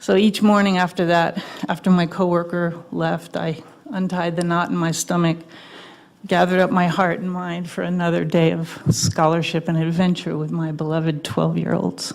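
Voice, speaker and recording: A woman speaks in a plain, everyday voice, fairly low in pitch, at a moderate pace with fairly even intonation. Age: 60s. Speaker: retired teacher testifying at a legislative hearing. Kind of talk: public testimony. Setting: legislative committee hearing. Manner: formal.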